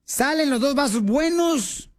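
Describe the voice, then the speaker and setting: A man hosting a radio show, joking loudly and calling his listeners countrymen. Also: very high voice, expressive, a little slow. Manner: rowdy, joking, calls listeners "paisanos". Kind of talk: playful radio banter.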